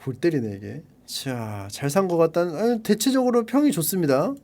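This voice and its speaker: Casual streamer, male, 30s; wry grumbling running commentary, very lively pitch. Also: moderate pace. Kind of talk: casual live-stream chat.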